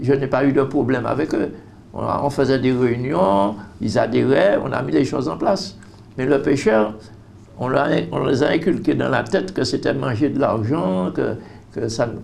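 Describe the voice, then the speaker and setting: Lively intonation from a man at medium pitch, fairly slow with long, frequent pauses, plus audible room echo. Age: 80s+. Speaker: fisheries expert. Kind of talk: TV interview. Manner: halting.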